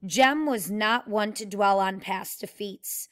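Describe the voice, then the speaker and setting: Woman teacher reading a novel out loud, steady plain delivery, stops to explain, mid pitch. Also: slow. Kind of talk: reading a novel aloud with commentary.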